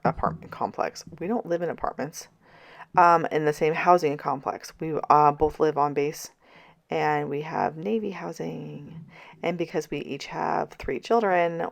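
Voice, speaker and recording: A woman's voice: low voice, gravelly. Scratchy-voiced woman, tired and chatty. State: hoarse, voice keeps going out. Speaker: vlogger. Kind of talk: casual planner vlog chat.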